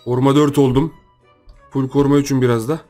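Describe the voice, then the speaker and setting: A young man giving casual commentary on his own gameplay, talking to himself and his viewers and repeating words in quick bursts when excited. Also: mid-range voice, faint music behind. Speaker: gaming YouTuber.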